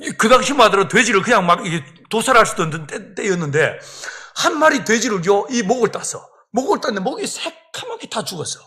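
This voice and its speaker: High, animated middle-aged male preacher. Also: fast. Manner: lively storyteller who acts out voices and laughs. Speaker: pastor. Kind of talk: revival sermon with personal story. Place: church sanctuary.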